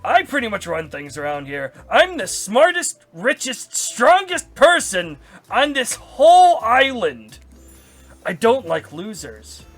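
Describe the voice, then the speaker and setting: A man's voice: extremely high pitch, huge pitch swings, slow, faint music behind, pitched above the performer's own voice, heavily acted. A man voicing a pompous, boastful rich bully in a fan dub of a dating game. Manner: loud, pompous bragging.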